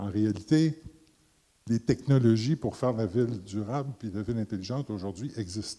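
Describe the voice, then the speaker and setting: In a Canadian French accent, a man speaks at a moderate pace and medium pitch with a dark, mellow tone. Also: ordinary pitch variation. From Canada. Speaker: business executive. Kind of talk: panel discussion. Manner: hesitant, many fillers.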